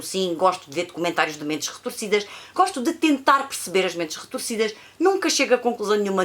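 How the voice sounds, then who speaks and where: A woman with a European Portuguese accent talks through her monthly viewing in a relaxed vlog. She rambles, circles back and repeats herself, scattering fillers. Her voice sits fairly low. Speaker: vlogger reviewing films and series. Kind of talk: casual monthly recap vlog.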